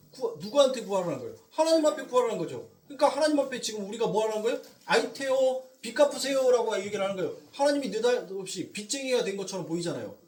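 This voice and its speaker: A male pastor with a Jeolla accent preaching a sermon, swinging from loud emphasis to near whispers and slowing down on key points. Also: high-pitched, echoey room, distant mic, slight background noise. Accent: Jeolla Korean. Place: church sanctuary.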